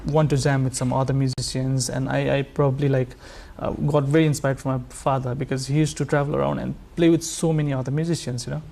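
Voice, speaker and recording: A man from Nepal, a sarangi player chatting as a guest, halting and full of fillers. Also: mid-range voice, level tone, gravelly, mellow, a little hiss or hum. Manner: halting, many fillers like "uh" and "like", friendly. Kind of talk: casual interview chat.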